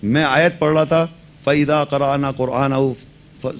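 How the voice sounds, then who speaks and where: A man's voice: mid-range voice, fairly even intonation, slight background noise. Earnest male lecturer. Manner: earnest teaching tone, mixes in English words. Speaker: Quran lecturer. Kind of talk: religious lecture and answers.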